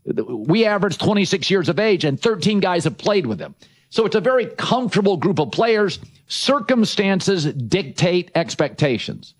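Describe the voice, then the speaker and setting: A man's voice: high-pitched, very animated, normal speed. A middle-aged man hosting a sports talk show, giving brash, emphatic opinions in short punchy sentences.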